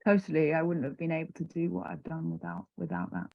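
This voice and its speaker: A woman's voice: low voice, very animated, fast, creaky, highs cut off. A young woman from Carlisle, answering casually as a musician guest. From Carlisle, Cumbria, England. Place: online video call.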